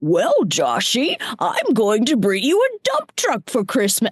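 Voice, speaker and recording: A put-on character voice, fairly high in pitch and warm in tone, at a fairly slow pace. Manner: jolly, warm.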